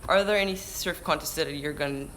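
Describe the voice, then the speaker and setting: A man's voice: a little high, normal speed, bright, forceful tone, a little hiss or hum. A teenage boy with a Hebrew accent, chatting on a live stream and reading out viewer questions, often restarting words mid-sentence. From Israel. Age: teens. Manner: chatty, restarts mid-word, answers questions read aloud. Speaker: surfer vlogger. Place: indoors by a window. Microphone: camera-mounted shotgun mic.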